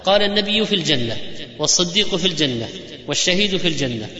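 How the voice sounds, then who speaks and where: A man giving a religious lecture, rattling off quoted sayings in a lively preaching cadence. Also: fairly high pitch, quick pace. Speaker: Islamic preacher. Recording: echoey hall, dull lo-fi sound.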